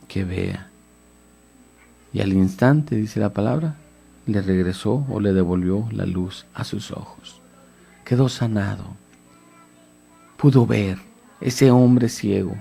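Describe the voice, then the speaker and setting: A man's voice: on the low side, vocal fry, breathy edge. A man preaching a radio sermon, retelling a scripture story with mounting fervor. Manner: retells scripture dramatically, rising to shouts of pleading.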